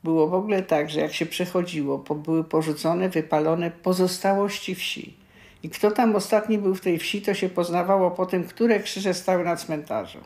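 A woman's voice: on the low side, fairly even intonation, normal speed, darkish tone. An older woman, telling memories in plain storytelling as an interviewee.

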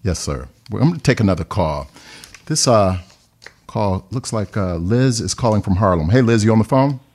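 A man hosting a live call-in radio show, asking callers gentle, encouraging questions. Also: lowish voice, animated, moderate pace, husky. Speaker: radio host.

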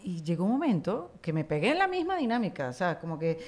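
A woman's voice: lowish voice, big pitch swings, quick pace, darkish tone. A woman from Venezuela with a Venezuelan accent, speaking conversationally as a podcast host. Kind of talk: conversational interview and sponsor read.

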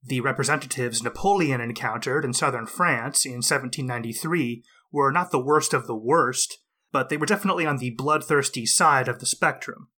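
A man narrates history in a steady, explanatory manner, his tone bright and forward at an ordinary pitch. He is still getting over a winter cold. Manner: measured, explanatory storytelling. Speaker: podcast host.

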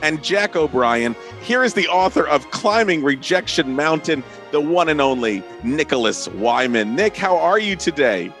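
A man's voice: on the high side, big pitch swings, normal speed, few pauses, a bit bright, faint music behind. A man co-hosting an interview podcast, upbeat and chatty as he introduces a guest. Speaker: podcast co-host.

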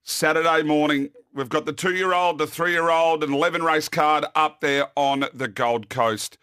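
A man's voice: fairly high pitch, fairly even intonation, a little slow, bright, forceful tone, clean tone, dry recording. Bantering Australian man hosting, dry sound. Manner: jokey, bantering. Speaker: host. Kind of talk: casual sports preview presenting.

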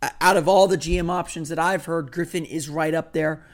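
A hoarse man talks through a sports podcast in a loose, rambling way, his voice rough with fry. It sits a bit high for a man. He keeps going through fillers and false starts. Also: fairly even intonation, brisk. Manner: rambling and conversational, many fillers and restarts. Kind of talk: casual sports podcast talk.

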